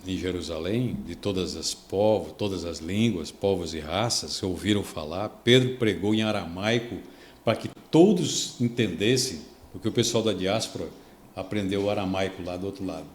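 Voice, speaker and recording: A Brazilian man, a pastor, telling a story on a devotional podcast, lively and acting out the people he quotes. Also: deep voice, moderate pace, roomy sound. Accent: Brazilian Portuguese. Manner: animated storytelling, acts out quoted speech.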